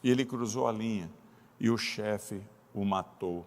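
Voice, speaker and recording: A man's voice: on the low side, a little slow. A middle-aged man preaching a sermon as a pastor, telling a story with rising emotion. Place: church sanctuary. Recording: long reverb of a church hall.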